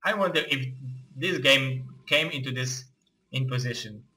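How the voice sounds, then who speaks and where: A man with a Russian accent casting a live strategy game tournament, excitable, with halting non-native phrasing. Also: medium pitch, rough recording. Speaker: esports caster and tournament host.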